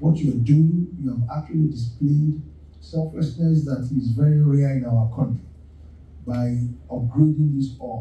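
Fairly slow and somewhat breathy, a man speaks at medium pitch in a dark, mellow tone. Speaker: ceremony speaker. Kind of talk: exhortative speech. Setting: stage with audience. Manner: animated.

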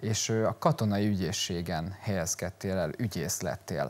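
This man has an unremarkable speaking voice, pitched fairly low with ordinary variation. He talks at a fairly slow pace. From Hungary. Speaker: TV talk show host. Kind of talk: interview. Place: studio. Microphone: lapel.

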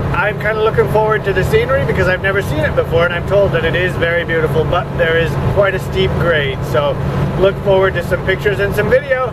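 A man talks at a very fast pace with ordinary pitch variation over loud background noise. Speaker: road trip vlogger. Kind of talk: casual vlog chat. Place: car. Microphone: phone near.

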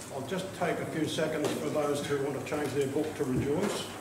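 Loud background noise and audible room echo surround a man speaking at a moderate pace. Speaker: minister leading a service. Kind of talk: call to worship reading and announcements. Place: church. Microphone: podium.

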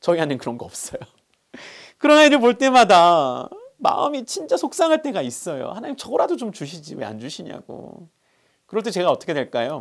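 A man's fairly quick speech comes across over a quiet background. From South Korea. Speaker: pastor. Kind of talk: sermon. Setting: recorded alone to camera in a borrowed room. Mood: warm, animated, smiling. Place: studio. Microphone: lapel.

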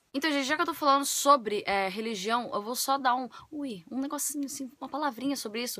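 Over a quiet background and in a dry sound with no echo, a woman speaks very fast in a raised, projected, high-pitched voice, bright and sharp in tone and animated, with ordinary pitch variation. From Brazil. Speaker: vlogger. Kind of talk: casual vlog monologue. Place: home room. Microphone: phone near.

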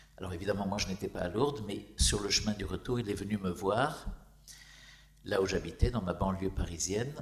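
Somewhat breathy, the speaking proceeds at a moderate speed. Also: man. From France. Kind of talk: testimony. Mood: calm, reflective. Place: home room. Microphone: lapel.

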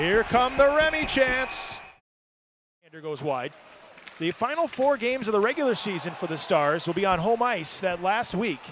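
Over noticeable background noise, a high-pitched man talks with very wide pitch swings in a dry sound with no echo. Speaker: hockey play-by-play announcer. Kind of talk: live play-by-play commentary in highlight reel. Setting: arena broadcast recording. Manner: animated, fast-paced, excited on goals; clipped rhythm, rising intensity at each score. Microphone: headset.

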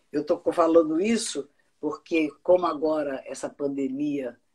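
A woman's very deep, low voice with a dark, mellow tone, very slow pace and ordinary pitch variation, against a quiet background. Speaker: guest. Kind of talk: casual conversation. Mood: friendly, promoting her book. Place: home room.

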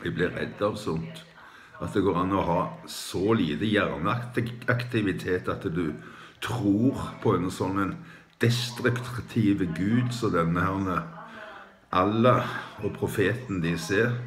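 The speaker talks at a very slow pace, with long, frequent pauses. Light background noise sits behind the voice. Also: man, fairly low pitch for a man, ordinary pitch variation. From Norway. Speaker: video blogger. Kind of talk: casual monologue. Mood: serious, indignant. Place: home room. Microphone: phone near.

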